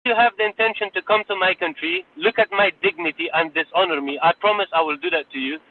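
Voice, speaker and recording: A man's voice: sits high, quick pace, no echo. Insistent man on a tinny phone line. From Afghanistan. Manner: insistent, lecturing, repeats words when interrupted. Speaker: speaker in a live audio room. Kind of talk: heated debate.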